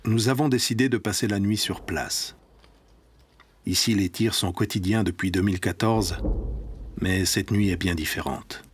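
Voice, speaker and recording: Male reporter, low voice, Swiss French accent, scripted documentary narration, some background noise. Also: moderate pace.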